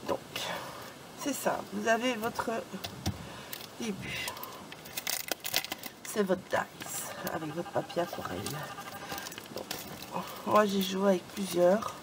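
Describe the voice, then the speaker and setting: Chatty woman, craft tutorial host, casual and filler-heavy, clear background noise. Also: medium pitch. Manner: chatty, many fillers and "voilà", self-deprecating. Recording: noisy room ambience.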